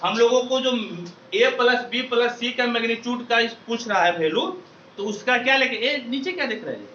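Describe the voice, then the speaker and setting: A man leads a maths class in a very high, sharp voice, firing questions and asking the students to shout the answers back. He calls them babu and beta as he goes. The sound is dull and distant, with the echo of a roomy classroom around it. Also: normal speed, slight background noise. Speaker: maths teacher. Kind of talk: classroom lecture with call-and-response.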